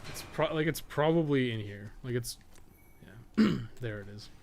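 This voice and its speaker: A man's voice: mid-range voice, normal speed. Rambling man with noisy background. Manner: rambling, thinking aloud, swears casually. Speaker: podcast co-host playing a game. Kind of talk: casual gameplay commentary. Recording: clear steady background noise.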